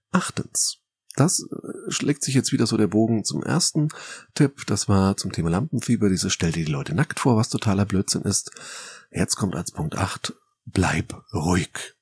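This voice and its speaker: A man with a German accent hosting a solo podcast as a rhetoric coach, explaining in a lively, conversational way with mock quotes. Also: lowish voice, breathy edge.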